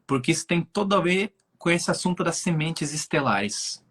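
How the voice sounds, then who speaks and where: Guesting on a live stream over a video call, a twenty-something man explains spiritual topics, thinking aloud with lots of filler tags and frequently checking in with listeners. His voice is a little high, expressive, a bit bright, and breathy-edged, moving at a moderate pace.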